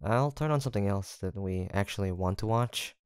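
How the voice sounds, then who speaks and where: A man playing a gentle, teasing young college roommate in an intimate audio roleplay, with a soft-spoken, hesitant manner. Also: lowish voice, a little fast, smooth, dry recording, studio quality, natural voice. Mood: gentle, tender. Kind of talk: intimate boyfriend-style roleplay acting, one-sided conversation.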